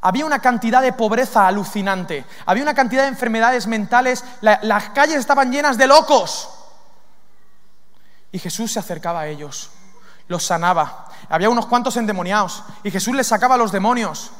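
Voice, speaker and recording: A man from preaching a lively sermon, questioning his listeners and acting out lines from scripture. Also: high voice, brisk. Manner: lively, asks the audience questions, acts out demons' lines. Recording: long hall reverb.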